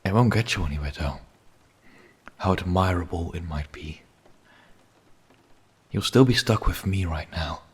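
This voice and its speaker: A man playing a grim, menacing vampire hunter in an ASMR roleplay, speaking slowly and solemnly in a husky voice that often sinks into a whisper. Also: low voice, heavily acted. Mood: cold menace. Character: grim male vampire hunter, menacing yet pleading captor. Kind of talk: ASMR roleplay, dramatic monologue.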